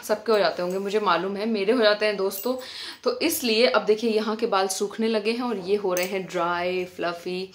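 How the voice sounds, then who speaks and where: A woman from India giving a casual, chatty hair-care tutorial at home, talking straight to her viewers as friends. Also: medium pitch. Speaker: beauty vlogger. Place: indoors at home, fan switched off.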